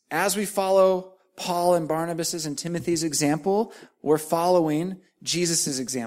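Speaking at a moderate pace, a man with a Texan accent has a high pitch and fairly even intonation. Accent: Texan American. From Texas. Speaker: missionary preacher. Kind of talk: sermon with interpreter. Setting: church. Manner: pausing for interpretation.

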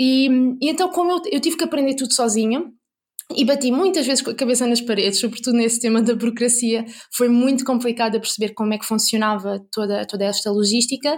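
A high-pitched woman with a European Portuguese accent at a very fast pace. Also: ordinary pitch variation. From Portugal. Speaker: blogger and online entrepreneur. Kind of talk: interview conversation. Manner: hesitant, frequent repetitions.

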